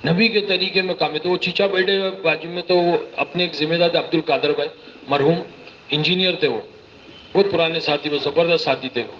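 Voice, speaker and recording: Animated preacher. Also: male voice, on the high side, fairly quick. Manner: animated, mimics the people in his stories. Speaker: preacher giving a religious talk. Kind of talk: storytelling sermon. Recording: slightly muffled recording with faint hiss.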